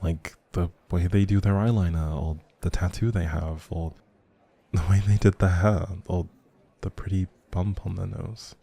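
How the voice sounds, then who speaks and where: A man acting as a kind, socially anxious male stranger in an intimate audio roleplay. His voice is very low and mellow, with a gravelly creak underneath. He rambles softly and hesitantly, second-guessing himself as he goes. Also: fairly even intonation, unhurried, heavily acted. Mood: shy, playful. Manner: hesitant, rambling, self-doubting, soft chuckles.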